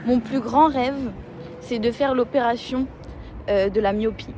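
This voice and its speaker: A young woman with a slightly high voice talks casually into her phone while walking outdoors. She rambles and thinks aloud in a loose, chatty way. Traffic and street noise run clearly under her voice. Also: unhurried, mellow. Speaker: vlogger. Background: urban street ambience with vehicles.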